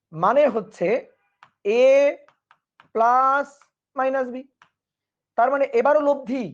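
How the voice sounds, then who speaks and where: A woman's voice: on the high side, highs cut off. A woman physics teacher, giving an online class lecture, repeating key phrases and checking understanding with questions.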